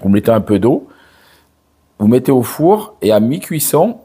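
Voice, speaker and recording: An older man, hoarse from a cold, chatting slowly to camera with many hesitations and restarts. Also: mid-range voice, big pitch swings, warm tone. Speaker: father and channel host. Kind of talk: casual direct-to-camera chat.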